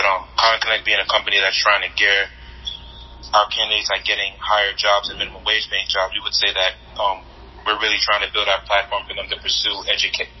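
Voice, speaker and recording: A man's voice: fairly low pitch, breathy edge. A man heard over a phone on speaker, answering interview questions about his job app in a loose, rambling way, often repeating and restarting phrases. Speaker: founder of a job app for the formerly incarcerated. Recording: muffled speakerphone line.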